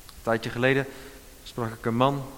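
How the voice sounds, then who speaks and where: A man preaching a sermon as pastor, emphatic, with dramatic pauses and quoted lines. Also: medium pitch, flat delivery, fairly bright tone, big-room sound.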